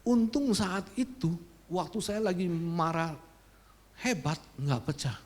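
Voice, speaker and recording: A male pastor preaching in church, telling a personal story with sudden loud outbursts and quiet confessions. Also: high voice, animated, slow pace.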